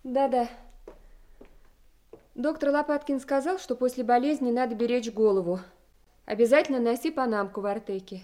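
A woman's voice: a little high, moderate pace, pauses often, mellow, natural voice. An actress playing a tender, anxious mother fretting over her daughter in a Soviet radio play.

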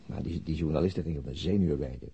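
A man's voice: rumbling low, rapid-fire, dark tone, husky, exaggerated voice. An actor playing a flustered, smitten male police inspector who stammers and repeats his words in a radio drama. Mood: relieved, apologetic. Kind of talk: intimate radio drama dialogue. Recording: dull, noisy old radio drama recording.

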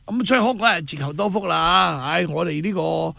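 Gravelly high-pitched Cantonese radio host. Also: male voice, a little fast, no echo. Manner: blunt, mocking, animated, switching into impressions. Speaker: radio talk show host. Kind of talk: heated political radio commentary.

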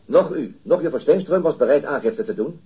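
A police detective in a radio play. His voice is very husky and his delivery quick, formal and coolly insistent as he interrogates. The recording is dull and lo-fi. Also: fairly high pitch, animated. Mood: official, matter-of-fact. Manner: formal, measured politeness, insistent. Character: male police detective inspector, formal, persistent, coolly pressuring. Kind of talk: radio drama dialogue, interrogation.

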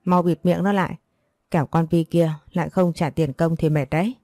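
A woman's voice: lowish voice, steady tone, moderate pace, dark tone, no room sound, clean studio sound, close to an everyday voice. A woman reading a brutal kidnapper boss. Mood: harsh. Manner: rough, contemptuous orders.

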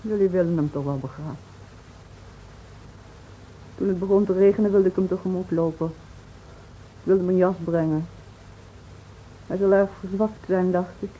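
An actress playing a grieving, reproachful village woman in a Dutch radio drama, speaking with halting solemnity. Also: lowish voice, fairly even intonation, close to an everyday voice. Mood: grieving, accusing. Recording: dull, faintly noisy old radio recording.

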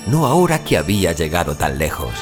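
A man acts out a weary, frightened male explorer in a dramatic audio fiction. His low voice moves with lively, sweeping intonation through literary, suspenseful first-person storytelling. Prominent music plays behind him. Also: fairly quick. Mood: weary, resolute. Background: music bed.

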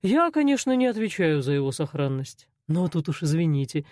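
Woman doing a menacing male loan shark, slow drawl, low voice, dry close sound. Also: big pitch swings, darkish tone, no echo. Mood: mocking. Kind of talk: audiobook character voice.

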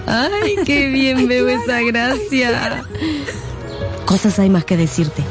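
A sly young Gypsy fortune-teller. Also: female voice, a little high, animated, takes it slowly. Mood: playful prophesying. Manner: playful, sly, sing-song rhymed delivery. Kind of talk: radio novel acting. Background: background music.

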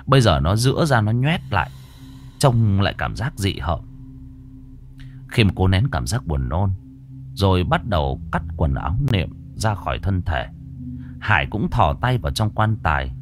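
A man narrating a horror story in a vivid, lively storytelling manner. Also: deep voice, moderate pace.

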